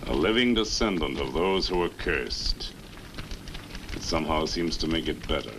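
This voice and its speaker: An actor playing a sinister, cryptic gentleman in an old horror film, speaking in a measured, menacing way. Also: a bass voice, lively intonation, full character voice. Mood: gloating, sinister. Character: sinister, cryptic gentleman with occult knowledge of the village. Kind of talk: 1960 horror film acting. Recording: old film soundtrack, distant, loud vehicle noise.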